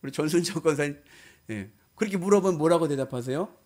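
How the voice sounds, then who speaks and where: A man's voice: a little high, expressive, fast talker, darkish tone. A man preaching a sermon as a pastor, exhorting emphatically and putting questions to his listeners. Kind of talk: sermon with storytelling and direct questions to congregation.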